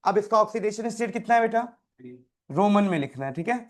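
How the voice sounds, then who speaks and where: A man's voice: sits high, animated, a little fast. A man teaching a chemistry class, quizzing students by name and repeating key terms. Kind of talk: live classroom tutoring.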